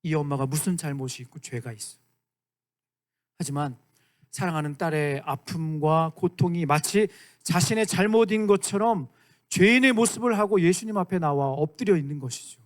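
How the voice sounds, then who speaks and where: A man in his thirties, a youth pastor giving a lively sermon to high school students and often asking them to agree. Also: moderate pace. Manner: animated, keeps asking the room for agreement; acts out quoted lines in dramatic voices.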